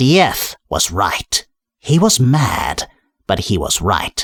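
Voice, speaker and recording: A man puts on a growling character voice at a medium pitch. He talks at a very slow pace with very wide pitch swings. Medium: read story. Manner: cold, menacing.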